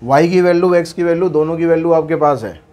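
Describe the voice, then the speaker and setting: A man's voice: fairly high pitch, a little mellow. A man teaching maths, explaining problems step by step in a chatty way, asking and answering his own questions. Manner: reads English problem text slowly and deliberately.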